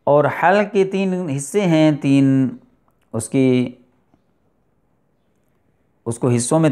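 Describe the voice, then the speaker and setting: Middle-aged male tajweed teacher, slightly high voice, deliberate drawn-out articulation. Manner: slow deliberate articulation of letters, drawn-out recitation. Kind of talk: Quran recitation lesson.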